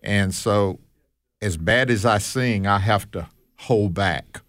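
Earnest man with a low voice. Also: slow, fairly bright tone, no echo. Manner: earnest, self-deprecating. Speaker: radio show regular and pastor. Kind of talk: casual radio chat.

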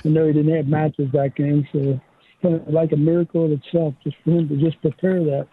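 Halting male caller on tinny phone. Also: fairly high pitch, level tone. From Ohio. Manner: halting, hesitant, friendly. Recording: phone line, dry.

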